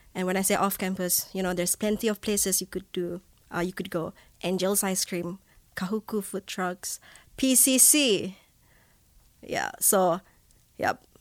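A woman with a medium pitch speaks at a moderate pace, her intonation fairly even. She leaves long, frequent pauses on a very clean recording with a silent background. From Malaysia, Borneo. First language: Bidayuh. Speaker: podcast co-host, student. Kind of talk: casual chat. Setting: studio.

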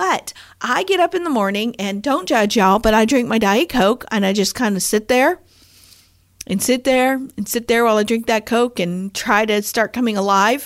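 Lively intonation colors an unremarkable speaking voice moving at a moderate pace. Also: woman, fairly high pitch for a woman. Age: 50s. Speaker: podcast host and pastor's wife. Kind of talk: devotional teaching podcast. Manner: warm and conversational.

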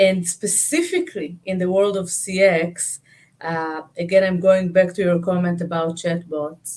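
A woman speaks fairly slowly in a fairly low, somewhat breathy voice with monotone, flat intonation. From Israel. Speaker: marketing executive. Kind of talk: interview.

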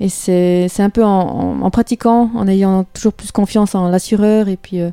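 Recorded very cleanly against a silent background with a dry, close sound and no echo, a woman of medium pitch talks at a fairly slow pace in a monotone, flat delivery with a dark, mellow tone. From Switzerland, canton of Jura. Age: 20s. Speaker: professional rock climber. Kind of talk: interview. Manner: hesitant, many fillers.

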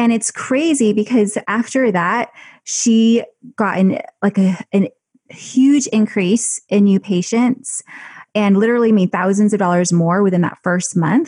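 A woman speaks at a fairly slow pace with a fairly high pitch and a somewhat breathy, dark, mellow tone. Her loudness stays very even. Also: ordinary pitch variation. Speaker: filmmaker and video marketer. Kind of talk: interview.

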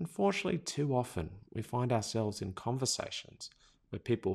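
A man with an Australian accent speaks at a medium pitch and a moderate pace, with a dark, mellow tone and lively intonation. The recording is very clean, with a silent background. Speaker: podcast host and education consultant. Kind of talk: scripted-style solo educational podcast monologue.

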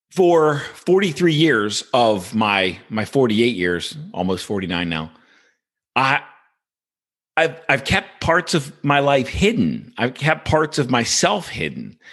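A man with vocal fry speaks very slowly, his pitch swinging very widely, against a quiet background. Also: medium pitch for a man. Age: 40s. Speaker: podcast host and small business owner. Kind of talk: motivational solo monologue. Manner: repetitive, stumbling restarts.

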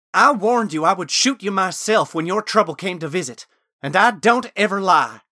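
In a put-on character voice, a man shouts at a high pitch with a bright, sharp tone, lively intonation and a moderate pace, on a very clean recording with a silent background.

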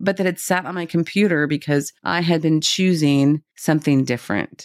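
A woman talks at a moderate pace with ordinary pitch variation. The recording is very clean, with a silent background and a dry, close sound with no echo. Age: 50s. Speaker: podcast host, guest interviewee. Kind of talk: casual interview conversation. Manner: animated.

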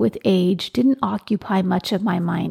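Somewhat breathy and dark, mellow in tone, a woman speaks at a fairly slow pace with ordinary pitch variation. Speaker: health coach and podcast host. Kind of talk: solo podcast monologue. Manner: relaxed, inviting.

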